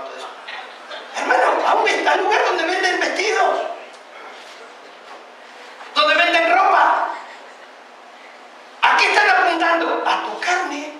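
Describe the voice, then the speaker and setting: A male preacher with an Argentine accent delivers his sermon with fervor, his voice pitched very high and sharply bright. He keeps turning to his listeners with pointed questions. The sound is roomy and echoing, picked up from some distance in a church hall with faint noise behind. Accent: Argentine Spanish. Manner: impassioned, addresses listeners as brother, rhetorical questions.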